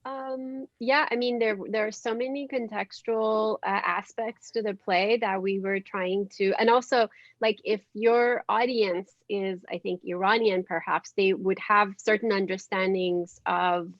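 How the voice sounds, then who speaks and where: A woman with a mid-pitched voice explains things in casual conversation, often halting to search for words. The sound is dry and slightly dull. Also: fairly even intonation, dry recording. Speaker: panel guest, dramaturgy collaborator. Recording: dry but dull call audio.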